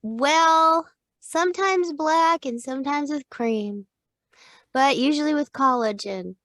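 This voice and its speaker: A woman's voice: high voice, slow, a bit bright, no echo. A woman in her fifties, a voice actor, telling long rambling stories in a casual interview, with many restarts and little quoted voices. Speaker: voice actor guest.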